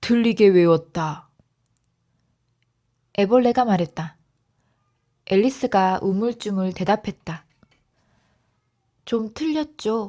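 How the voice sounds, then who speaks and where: In a very clean recording with a silent background, a woman speaks at a medium pitch and a very slow pace, in a dark, mellow, soothing tone, with long, frequent pauses. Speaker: audiobook narrator. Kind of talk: children's story audiobook reading. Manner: soft, soothing.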